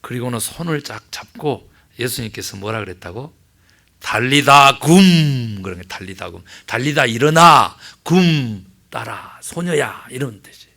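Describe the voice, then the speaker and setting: A middle-aged male pastor preaching a sermon, telling a Bible story with acted-out lines and swinging between loud exclamations and hushed asides. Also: medium pitch, lively intonation, normal speed, gravelly.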